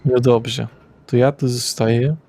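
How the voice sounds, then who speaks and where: A man's voice: mid-range voice, level tone, unhurried, warm tone. A man as game master, describing scenes loosely with fillers and self-corrections, on a home mic. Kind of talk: narrating a tabletop game.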